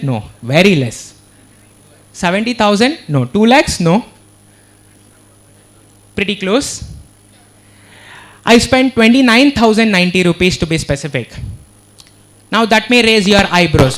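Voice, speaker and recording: A man's voice: high-pitched, fairly bright tone. A man with an Indian English accent, giving a motivational talk to students and keeping the room with him through constant questions back to the audience. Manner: earnest, keeps checking in with the audience. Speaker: motivational speaker. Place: university auditorium.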